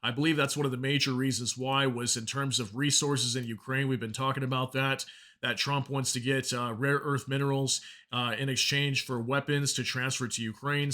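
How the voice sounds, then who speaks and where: A man's voice: mid-range voice, pushed and bright. A man hosting an informal news commentary, explaining reports and reading out statements in a conversational way. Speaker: news commentary channel host.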